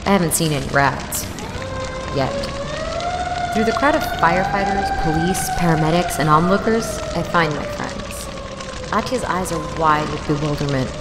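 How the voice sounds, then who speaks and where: Snarky broke college girl, audio drama narration, wry, self-deprecating, swooping lively pitch, long reverb, music behind. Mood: wry, stunned, then exasperated, angry. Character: snarky, exasperated 24-year-old woman, broke college student.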